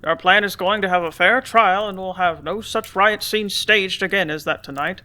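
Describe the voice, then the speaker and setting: A woman voicing a gruff older male grain dealer with folksy, blunt country speech. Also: medium pitch, moderate pace, pushed and bright, lightly acted. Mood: confiding.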